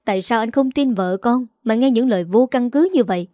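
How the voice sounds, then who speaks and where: A woman reading a story and voicing a gentle wife who pleads with her drunk husband. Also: a little high, fairly quick, no room sound, studio quality, natural voice. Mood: pleading. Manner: pleading, hurt. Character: gentle, wronged young wife.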